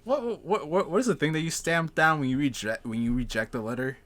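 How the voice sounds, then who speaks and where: A man co-hosting a podcast in casual chat, excitable and sarcastic, swearing freely. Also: fairly high pitch, fairly quick. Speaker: podcast co-host.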